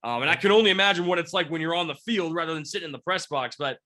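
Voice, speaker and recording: Rapid-fire and pushed, his bright voice sits on the high side. This congested sports beat writer in his twenties, from Washington State near Seattle, hosts a relaxed sports podcast, meandering with plenty of fillers and restarts.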